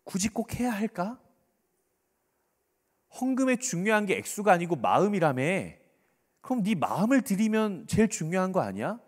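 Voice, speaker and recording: A man voicing a sly devil who slowly and softly coaxes a listener into temptation, heard inside a preached sermon. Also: high-pitched, very animated, in a large hall, pitched above the performer's own voice, heavily acted. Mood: coaxing. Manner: soft, slow, persuasive coaxing.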